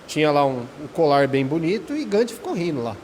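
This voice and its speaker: A man's voice: fairly high pitch, sing-song, brisk, darkish tone. Brazilian man giving a talk, reverberant hall. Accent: Brazilian Portuguese. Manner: conversational, keeps checking in with the listeners. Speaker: speaker at a Spiritist study center. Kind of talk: informal spiritual talk. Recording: reverberant hall with faint background noise. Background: rain.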